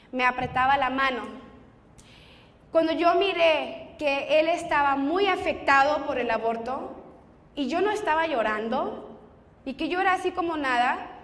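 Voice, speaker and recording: A young woman giving a personal testimony with strong feeling, acting out what she and others said. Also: high-pitched. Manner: emotional, reenacts dialogue. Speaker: testimony speaker. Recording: echoey hall with long reverb.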